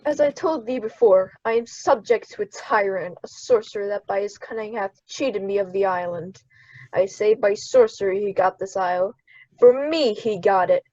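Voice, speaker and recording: A woman's voice: mid-range voice, moderate pace, a little mellow, dry recording, dull audio, lightly acted. A woman playing a bitter, scheming male enslaved monster in a Shakespearean radio play, speaking formal archaic verse. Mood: bitter, urging. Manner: formal archaic verse delivery, plotting and urging.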